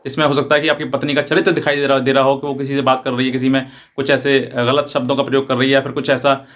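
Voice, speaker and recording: A man's voice: medium pitch, level tone, fast, fairly bright tone. A man, an advocate, gives an informal, repetitive explainer and mixes in English legal terms. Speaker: advocate presenting legal advice videos.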